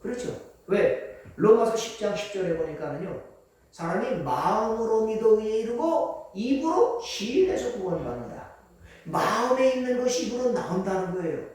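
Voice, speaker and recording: A man in the pulpit delivers a Sunday sermon in a high register, driving his points home with emphatic rhetorical questions. His voice is caught from a distance and rings through a heavily reverberant church hall. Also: expressive, moderate pace, darkish tone. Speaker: pastor. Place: church sanctuary. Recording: very echoey church hall, from far off.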